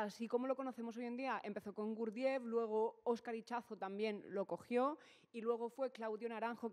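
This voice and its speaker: A woman in her thirties with a Spanish accent from Spain explains the enneagram in a lively interview, checking in with "¿no?" as she goes. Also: mid-range voice. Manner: animated, gestures while explaining, many fillers like "¿no?". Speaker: enneagram teacher, guest. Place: event stage with hall. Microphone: studio mic on stand. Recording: reverberant hall.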